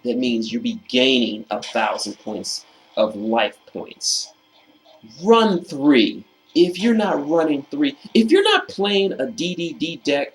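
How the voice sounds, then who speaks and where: A man presenting a card game deck in casual commentary, reading out card text and stressing key phrases by slowly repeating them, his voice slightly hoarse. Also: on the high side, rough recording.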